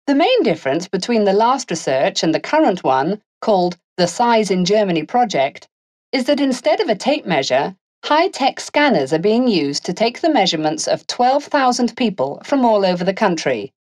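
A woman's voice: medium pitch, sing-song, moderate pace, a little mellow, lightly acted. A woman playing a polished radio news announcer, reading a scripted introduction in a composed manner. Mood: composed, informative. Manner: clear, composed newsreading.

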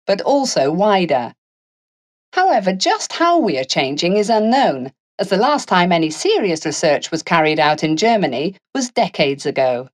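A woman's voice: mid-range voice, lightly acted. A woman playing a polished radio news announcer, reading a scripted introduction in a composed manner. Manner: clear, composed newsreading.

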